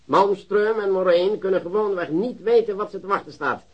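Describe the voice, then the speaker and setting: An actor playing a pompous, commanding prosecutor briefing policemen in a radio drama. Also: male voice, high voice, normal speed, muffled recording. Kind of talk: Dutch radio drama acting.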